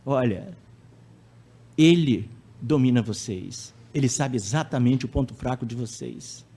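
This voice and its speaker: A man's voice: fairly high pitch, a little mellow. A man voicing a stern female child-rearing expert who lectures parents firmly. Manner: firm, lecturing.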